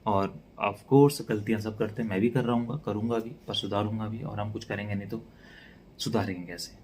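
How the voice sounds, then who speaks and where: Male tutor, lowish voice, calm lecture pace, faint hiss behind. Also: fairly quick. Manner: mixes Hindi with English, talks calmly and softly. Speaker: teacher. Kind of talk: relaxed exam-prep lecture. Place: indoors at night.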